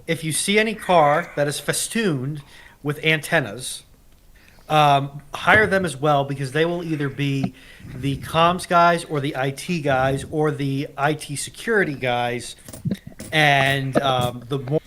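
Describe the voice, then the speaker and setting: A man chatting casually as a livestream panellist, joking in a halting, measured way, with clicks on the microphone. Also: mid-range voice, a bit bright, a little hiss or hum. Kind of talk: casual chat, joking banter.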